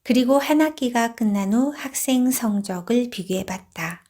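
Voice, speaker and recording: A woman reading a book aloud as narrator in a soft, hushed, gentle voice that turns whispery at moments. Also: a little high, animated, normal speed.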